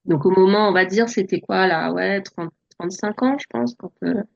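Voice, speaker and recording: A soft-spoken woman in her forties, born in France, telling her story as an interview guest with many hesitations. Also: medium pitch, moderate pace, vocal fry, dull audio. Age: 40s. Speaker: podcast guest. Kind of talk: relaxed personal interview.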